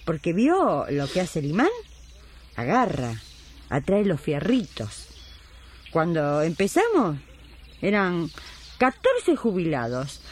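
An actress with an Argentine accent playing a spirited, sympathetic retired midwife in a radio drama, consoling and encouraging. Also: female voice, lowish voice. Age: older.

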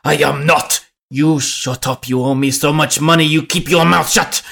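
A man's voice: fairly high pitch, unhurried, a bit bright, voice pushed up. A man voicing a blustering, argumentative town drunk in a tabletop fantasy game. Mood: indignant. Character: belligerent drunken male town drunk, stumbling and accusing.

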